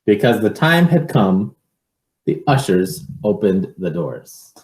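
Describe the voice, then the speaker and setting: A man reading a picture book aloud to children in an expressive, measured way, with informal asides. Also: fairly low pitch, echoey room, poor audio.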